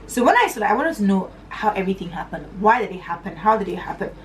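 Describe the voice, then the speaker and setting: A young woman from Northern Nigeria telling a personal story on her vlog in a chatty, animated way, her voice swinging up high and dropping to low asides. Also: fast, far from the mic, a little hiss or hum, low-quality recording. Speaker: vlogger.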